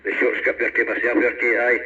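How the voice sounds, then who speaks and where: A man's voice: medium pitch, little pitch movement, a little fast, sharp tone. A man with a Scottish accent making casual contact as a CB operator, heard through a radio transmission. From Scotland. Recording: dull, noisy CB radio reception.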